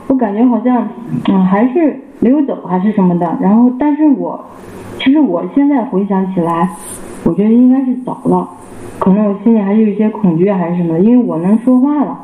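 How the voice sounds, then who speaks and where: A man giving a personal church testimony, halting and repeating himself with many fillers. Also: high voice, narrow, tinny audio. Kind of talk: casual spoken personal testimony. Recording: roomy with faint background noise.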